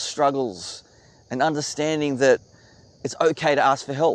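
A man talks at a fairly high pitch in an Australian accent. The sound is dry, with no echo. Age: 40s. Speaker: YouTuber. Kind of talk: vlog monologue. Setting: outdoors at the beach. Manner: casual, with many fillers. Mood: warm, encouraging. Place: beach. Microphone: lapel.

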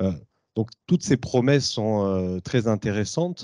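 A man with a fairly low pitch and a dark, mellow tone speaks at a moderate pace, the sound dry with no echo against a quiet background. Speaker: tech company technical director. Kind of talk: conference presentation. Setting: stage with audience. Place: stage.

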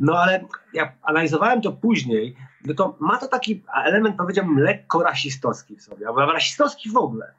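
A man's high-pitched voice with very wide pitch swings at a very fast pace over a quiet background. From Poland, Wrocław; Poland. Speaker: researcher of political extremism; guest. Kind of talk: interview. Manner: halting, many fillers. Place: home room. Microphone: webcam.

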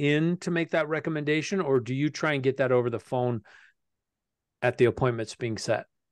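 Delivered at a fairly quick pace with ordinary pitch variation, the voice carries a West Coast American accent, with a dry sound with no echo and a quiet background. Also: man. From US West Coast. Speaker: webinar host, automotive business trainer. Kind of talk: live webinar panel discussion. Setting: video call webinar. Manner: animated. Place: studio. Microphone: studio mic.

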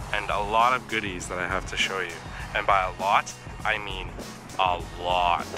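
A man at a fairly slow pace and fairly even intonation, with clear music in the background. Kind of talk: casual vlog chat. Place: car. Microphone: phone near.

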